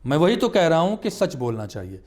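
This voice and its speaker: A man's voice: on the high side, sing-song, darkish tone. A man on a studio talk show, explaining marriage advice in an earnest, emphatic way. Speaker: religious scholar guest.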